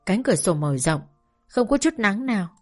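A woman narrating a novel aloud in a calm, measured first-person reading. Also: mid-range voice, soft background music. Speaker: audiobook narrator. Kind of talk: scripted narration.

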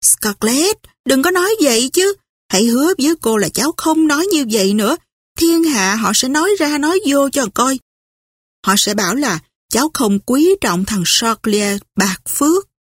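A woman's voice: high-pitched, animated, moderate pace, husky, no room sound, clean studio sound. Woman playing a fussy, weepy older aunt. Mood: fretful. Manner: tearful and fretful.

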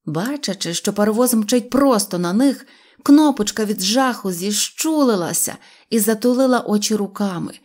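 A woman reading a children's storybook aloud with a lively, expressive delivery. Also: medium pitch, moderate pace. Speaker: audiobook reader. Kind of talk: storybook narration.

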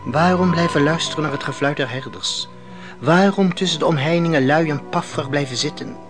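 An actor playing a solemn biblical bard who recites a war song in declamatory, poetic phrases for a radio play. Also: male voice, fairly high pitch, fairly quick, lightly acted. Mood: reproachful. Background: music.

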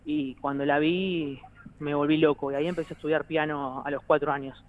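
A man's voice: fairly high pitch, fairly even intonation, a little fast, phone-quality sound, slight background noise. A man in his thirties with an Argentine accent, a musician guest who rambles, jokes and laughs often in a casual interview chat. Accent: Argentine Spanish. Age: 30s.

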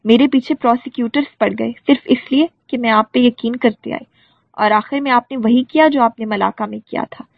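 A furious young woman tears into the man she once trusted, as a woman storyteller voices her. The voice is husky with a gravelly edge and sits a little high. The audiobook recording is dry and tinny. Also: steady tone, no echo. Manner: furious, accusing, tearful. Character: defiant young woman confronting her leader.

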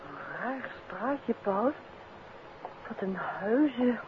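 An actress playing a detective's attentive, anxious and affectionate wife in a 1950s radio drama. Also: female voice, fairly high pitch, expressive, drawn-out words. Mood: uneasy. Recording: narrow, noisy 1950s radio recording.

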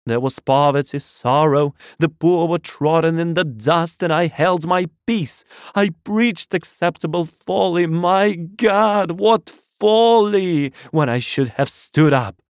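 Frenzied doom-preaching curate, raised pitch, loud declamation, wailing fervour, audiobook character, dry sound. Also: male voice, takes it slowly, hardly any pauses, clear, resonant tone, no echo. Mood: anguished repentance. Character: half-mad, fervent male curate crying doom and repentance.

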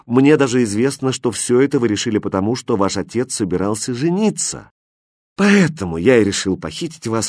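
Storybook king, young, lovesick, soothing, soft-spoken, male reader doing him lively, dry close sound. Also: fairly low pitch, no room sound. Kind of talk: audiobook fairy tale reading.

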